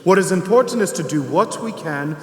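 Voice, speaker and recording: A man playing a gentle, wise Christmas spirit bidding farewell, on stage. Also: high voice, animated, fairly quick. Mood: tender. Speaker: stage actor. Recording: roomy theatre hall reverb.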